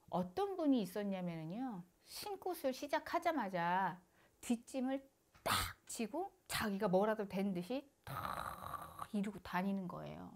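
A woman shaman telling a funny story to camera in a lively, dramatic way, indoors. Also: a little high.

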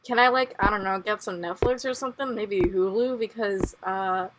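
A woman's voice: mid-range voice, moderate pace. Young woman talking thru a creepy game on a headset, jittery, lots of nervous laughs, bit of noise behind. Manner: nervous, giggly, full of questions. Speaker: gaming streamer. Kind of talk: horror game let's play commentary.

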